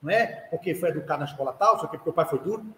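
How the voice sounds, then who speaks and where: Brazilian man, spiritist lecturer, high voice, playful, talks to the crowd, echoey hall, faint noise. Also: racing. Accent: Brazilian Portuguese. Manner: lively, jokey, addresses listeners directly, acts out quoted parents. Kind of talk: live lecture to an audience. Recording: echoey hall recording with light background noise.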